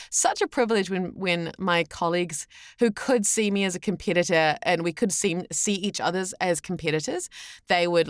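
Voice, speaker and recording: A woman's voice: on the low side, dry recording, studio quality. A woman chatting candidly as a voice actor guest in an interview.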